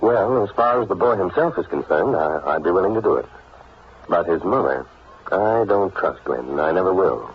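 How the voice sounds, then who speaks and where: An actor playing an earnest, troubled gentleman, a fond fiancé and uncle, in a radio soap, courteous and hesitant. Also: low-pitched, animated, normal speed. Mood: wary. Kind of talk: 1940s radio soap acting. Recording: muffled, noisy old radio recording.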